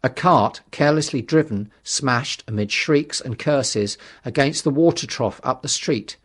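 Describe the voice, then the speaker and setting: A man narrating a literary audiobook in a measured, dramatic storytelling manner. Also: medium pitch, fairly bright tone.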